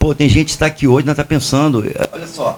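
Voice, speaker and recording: A man speaks with typical pitch movement while background noise is clearly heard. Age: 50s. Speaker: senior pastor and writer. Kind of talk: podcast interview, casual preaching talk. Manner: animated.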